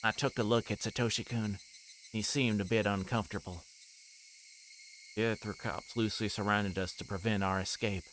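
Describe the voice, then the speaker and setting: Low-pitched man reading aloud over noise. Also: moderate pace. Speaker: streamer reading a visual novel aloud. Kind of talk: live read-aloud of a story game, with asides. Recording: steady noise behind the voice.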